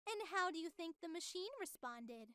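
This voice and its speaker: A woman's voice: very high-pitched, animated, moderate pace, fairly bright tone. A woman playing a sinister, coolly menacing female artificial superintelligence in a visual novel, with a grandiose, theatrical, politely threatening manner. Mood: sly storytelling. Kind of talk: scripted visual novel voice acting.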